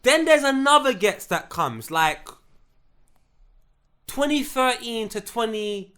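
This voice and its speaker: A man's voice: extremely high pitch, sing-song, slow pace, pushed and bright, clear, resonant tone. A man co-hosting a podcast, telling stories and teasing in casual chat. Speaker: podcast co-host.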